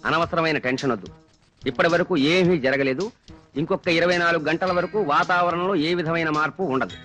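An actor playing a calm, menacing kidnapper who makes taunting ransom threats over the phone. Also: male voice, on the high side, faint music behind. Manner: cool, taunting, unhurried threats. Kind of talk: 1990s Telugu film dialogue.

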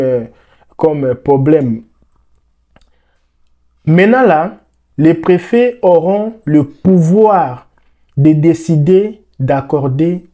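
A young Congolese man explaining the news to the camera, with lots of repeated words and fillers, on a lapel mic in a dark room. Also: fairly high pitch. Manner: animated, repeats words, many "euh" fillers. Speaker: vlogger.

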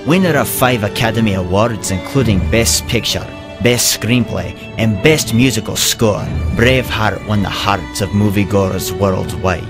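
Low-voiced man reading commercials over music. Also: measured pace, few pauses. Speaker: voice actor. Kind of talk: scripted commercial narration. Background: background music.

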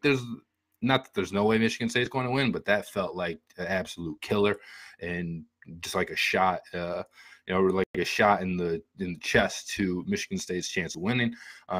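A man's voice: low voice, fairly bright tone, dry recording. An American man in his twenties giving casual, rambling sports commentary as a show host, close to a desktop mic at home. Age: 20s. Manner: rambling, conversational. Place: small room at home. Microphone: desktop microphone up close.

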